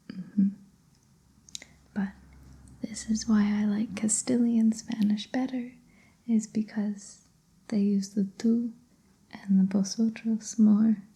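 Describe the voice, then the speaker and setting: Slow breathy whispering woman. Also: medium pitch, mellow, low-quality recording. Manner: slow, patient explaining. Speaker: Spanish tutor. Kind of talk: whispered ASMR lesson.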